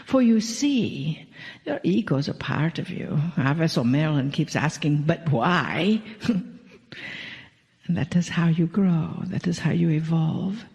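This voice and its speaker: A woman delivers a channeled spiritual message to an audience at a very unhurried pace, her voice gravelly and slipping into soft whispers on key phrases. The sound rings with long hall reverb and has a dull, lo-fi tone. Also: low voice, lively intonation.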